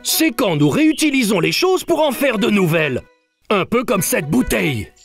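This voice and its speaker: Helpful outdoorsy ranger for kids' animation, lively melodic speech, teacherly manner. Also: male voice, high voice, moderate pace, creaky, soft background music, heavily acted. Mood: friendly, instructive. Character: friendly, instructive male park ranger.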